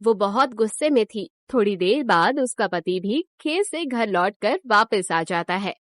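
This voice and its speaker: A woman giving scripted narration for a cartoon moral story in an even storytelling manner. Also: mid-range voice, measured pace, dry recording.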